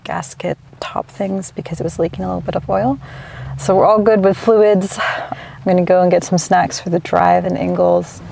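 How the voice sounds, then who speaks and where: A woman's voice: on the low side, fairly even intonation, normal speed, creaky, noisy background. A young woman in her twenties vlogging in a car, talking to the camera in an anxious, rambling way with restarts and fillers. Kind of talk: casual vlog talk to camera. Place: inside a car, then a small cabin and outdoors. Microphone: handheld camera at arm's length.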